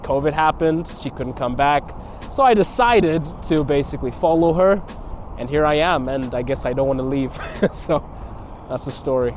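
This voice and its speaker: A man's voice: a little high, animated, moderate pace, a little mellow, slight background noise. A man from Botswana, a guest content creator, answering interview questions outdoors in a reflective way and laughing between thoughts. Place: outdoors in a city park.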